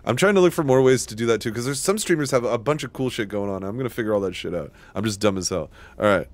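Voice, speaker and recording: Profane, chatty low-voiced male streamer. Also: animated, fast talker. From Washington State. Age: 30s. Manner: loose, profane, rambling, chatting with viewers. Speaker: streamer, host. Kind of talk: casual live-stream chat while gaming.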